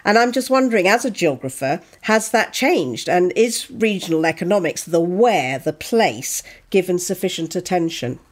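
Low-pitched, lively woman podcast host. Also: normal speed, hardly any pauses. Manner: articulate, scripted introductions. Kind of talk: interviewing.

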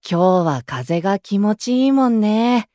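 An actor playing a gentle, eager, boyish young male idol in a Japanese voice drama, friendly and earnest. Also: high voice, sing-song, measured pace, no room sound, studio quality. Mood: cheerful, earnest.

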